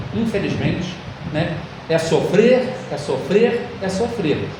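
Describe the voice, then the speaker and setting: Lively intonation from a man, with audible room echo and noticeable background noise. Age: 60s. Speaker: spiritist lecturer. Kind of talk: lecture.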